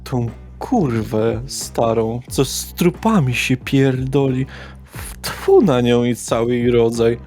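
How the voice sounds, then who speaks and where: A flamboyant vampire diva played by a man, catty and vulgar, taking unhurried time over each phrase. The theatrical tabletop-game voice sits at a middling pitch over clear background music. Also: a little mellow, close to an everyday voice. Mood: catty, scornful. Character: flamboyant, vain, foul-mouthed vampire socialite woman in a wig. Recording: music behind the voice.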